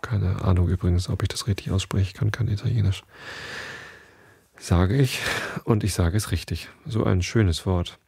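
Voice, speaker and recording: A man reads a bedtime story in a calm, unhurried way, and now and then he backs up to restart a sentence after a slip. His voice is very deep and gravelly, with a dark, husky tone. The sound is close and dry. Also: no room sound. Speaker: podcast host.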